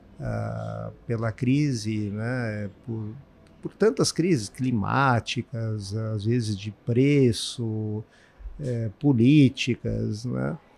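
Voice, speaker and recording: At a very slow pace, a man speaks with medium pitch and ordinary pitch variation. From southern Brazil, Santa Maria (Rio Grande do Sul). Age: 60s. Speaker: business owner, farm machinery dealer. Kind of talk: podcast interview. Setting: agricultural fair.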